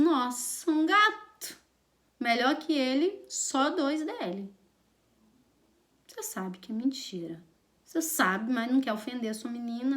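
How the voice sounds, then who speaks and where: A woman teacher with a Brazilian Portuguese accent giving a recorded online lesson, playful and chatty with teasing examples. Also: fairly high pitch.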